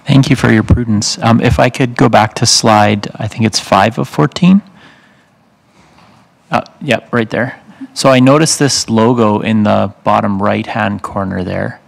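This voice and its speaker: A man, a city councillor, asking polite, measured questions in a council chamber. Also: fairly low pitch, steady tone, vocal fry.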